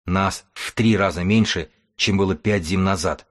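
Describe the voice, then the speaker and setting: A man reading an audiobook voices a hoarse, bitter tribal healer woman who pleads and defends herself. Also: sits low, normal speed, close to an everyday voice. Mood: desperate. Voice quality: hoarse, rasping.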